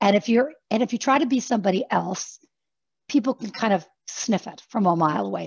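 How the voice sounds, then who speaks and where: With lively intonation and a bit of vocal fry, a woman speaks fairly quickly at a medium pitch. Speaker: executive coach and workshop presenter. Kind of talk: interactive workshop talk. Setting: video call. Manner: fast; animated.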